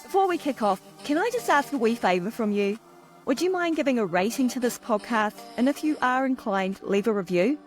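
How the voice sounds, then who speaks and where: A woman's voice: fairly high pitch, lively intonation, a little fast, soft background music. A middle-aged woman, hosting a podcast interview in a chatty, encouraging way. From New Zealand. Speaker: podcast host.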